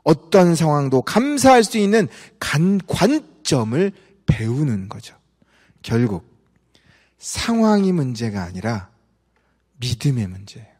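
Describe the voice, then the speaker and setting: A man's voice: a little high, very animated, measured pace, darkish tone, breathy edge. A man preaching a sermon as pastor, telling a story with acted-out dialogue and asking the congregation questions. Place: church sanctuary. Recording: church hall reverb.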